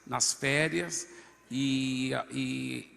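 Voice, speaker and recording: A man, a guest pastor, telling his personal testimony with animated swings between loud and soft. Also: mid-range voice, very slow, gravelly, in a large hall.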